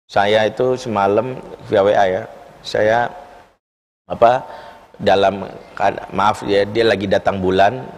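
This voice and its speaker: Man preaching in a reverberant hall. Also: fairly low pitch. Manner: lively storytelling, acts out quoted voices. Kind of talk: sermon with told stories. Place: large mosque hall.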